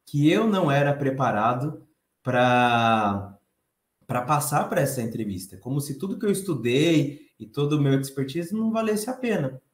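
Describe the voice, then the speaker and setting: A Brazilian man in his thirties gives an expressive, chatty conference talk. His voice is soft and light, and he sits at a middling pitch. The sound carries a clear room echo. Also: normal speed. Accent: Brazilian Portuguese. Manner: conversational, expressive, reads the chat aloud. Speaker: conference speaker.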